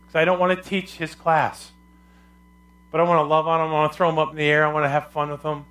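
A male pastor delivering a weekly sermon, his loud voice carrying across the congregation. He speaks a little higher than most men and builds his points through emphatic repeated phrases. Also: level tone, fast talker.

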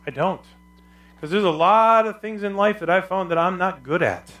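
A male pastor preaching a sermon with a loud, carrying voice and emphatic, repetitive phrasing. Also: sits high, moderate pace.

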